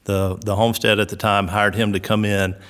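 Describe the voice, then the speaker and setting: A man's voice: lowish voice, level tone, a bit bright. Middle-aged Southern man with reverb. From South Georgia, US. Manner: unhurried, lots of "uh" and "um" fillers. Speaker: resort recreation director. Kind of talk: relaxed interview answers.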